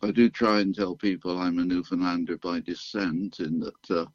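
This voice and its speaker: An older man with a British accent, a retired physician chatting as a radio guest in an unhurried, self-deprecating way with dry humor. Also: low-pitched, steady tone, no echo, dull audio. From United Kingdom. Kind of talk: relaxed radio interview chat.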